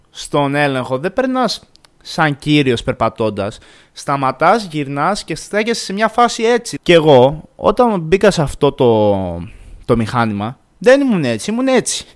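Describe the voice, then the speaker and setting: A man in his twenties from Greece tells a story in a casual podcast. His voice sits a little high and swings widely in pitch, and he acts out each quoted line with lively jumps up and down. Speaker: podcast host.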